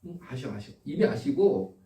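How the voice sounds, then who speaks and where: A man's voice: mid-range voice, big pitch swings, moderate pace, warm tone. A middle-aged man preaching a sermon, telling stories and throwing rhetorical questions at his congregation. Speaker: pastor. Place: church hall. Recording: echoey room, distant from the mic.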